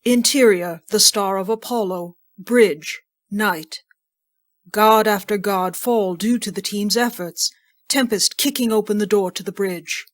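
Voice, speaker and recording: A woman's voice: medium pitch, unhurried. A woman reading scripted scene narration for an audio drama.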